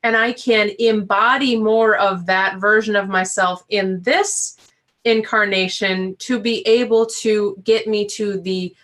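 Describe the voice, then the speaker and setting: Bright-voiced woman chatting as co-host. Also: medium pitch, steady tone, slow. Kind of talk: casual spiritual chat on a live stream.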